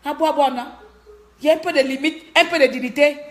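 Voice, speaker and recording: A woman's voice: high voice, steady tone, fast talker. A woman from Gabon with a Cameroonian French accent, speaking as an online commentator in an indignant livestreamed rant, often repeating a word while she hunts for the next. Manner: indignant, repeats words while searching for them. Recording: roomy echo.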